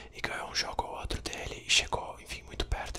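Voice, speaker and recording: A man whispering at a moderate pace. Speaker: vlogger. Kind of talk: casual vlog chat. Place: home room. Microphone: handheld.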